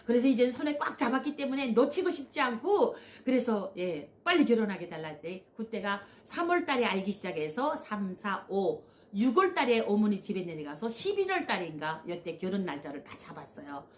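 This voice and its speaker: A woman's voice: mid-range voice, sing-song, brisk, hardly any pauses. A woman from Korea, telling a personal story on her own channel. She talks animatedly, acts out the voices of people she quotes, and often slips in "yes" and "uh" as fillers. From North Korea. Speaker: channel host.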